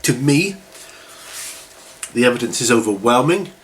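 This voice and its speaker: Congested man over clear background noise. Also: mid-range voice, expressive, a little slow, fairly bright tone. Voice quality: congested, slightly stuffy. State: recovering from a cold, with a cough. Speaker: host of a hobby question-and-answer video series. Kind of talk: casual chat to camera. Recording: clearly noisy home recording.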